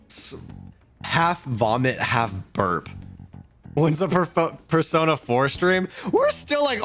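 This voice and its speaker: Male streamer, casual profane banter, animated pitch. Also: gravelly. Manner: profane, joking asides to chat. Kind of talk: casual gameplay commentary.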